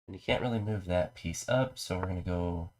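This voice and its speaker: A man's voice: a little fast, a little mellow. A man with a mild cold and a congested voice, casually talking through his chess moves on a live stream. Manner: low-key, talks through his moves.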